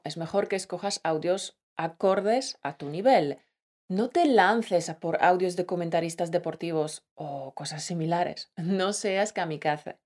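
A woman's voice: fairly low pitch, darkish tone. A woman co-hosting a scripted teaching podcast, playful and affectionate with the listener. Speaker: podcast co-host, Spanish teacher.

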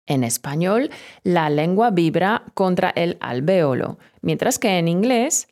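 A woman leads a scripted vocabulary lesson in a somewhat low voice. She pronounces each word slowly and carefully for the learner to repeat. She talks straight to the student with encouragement. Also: a little mellow. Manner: slow, careful pronunciation drills; encouraging, addresses the learner directly. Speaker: Spanish teacher.

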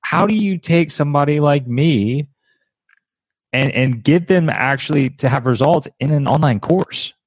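A man from Louisiana hosting a podcast interview, speaking quickly and with a friendly tone, with hesitant restarts. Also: a little high, no echo. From Louisiana, United States. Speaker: podcast host.

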